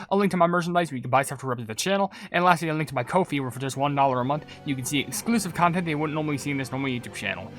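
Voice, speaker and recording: A man's voice: a little high, a bit bright. A man hosting a gaming video, commentating casually and thinking aloud in a rambling way. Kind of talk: casual game commentary and sign-off.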